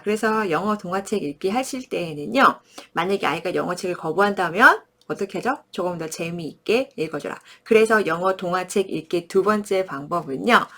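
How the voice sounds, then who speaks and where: Brief: woman in her thirties, warm-toned presenter-mom, wide-ranging expressive pitch, acts things out for parents. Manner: animated, acts out words with lively gestures and sounds; often checks in with listeners by asking "right?". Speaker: early-childhood education presenter. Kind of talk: friendly parenting lesson.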